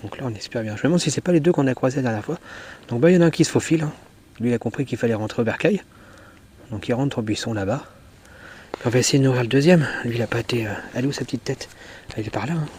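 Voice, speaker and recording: Soft-spoken male speech at medium pitch and a very fast pace, with ordinary pitch variation, long, frequent pauses and noticeable background noise. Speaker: nature video presenter. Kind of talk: on-location wildlife commentary.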